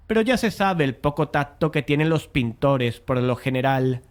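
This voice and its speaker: A brooding painter recounting a macabre tale for a dramatized horror audiobook. His voice sits a little high for a man. He tells it in a measured, deliberate manner, with music clearly playing behind him. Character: first-person painter narrator of a macabre tale, brooding, male.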